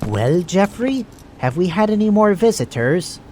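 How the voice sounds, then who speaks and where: A woman's voice: fairly low pitch, sing-song, unhurried, a little mellow, slight background noise. A woman voicing a smug, sinister male crime boss in an audio drama, with mock-polite, gloating theatrical delivery. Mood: pleased, commanding.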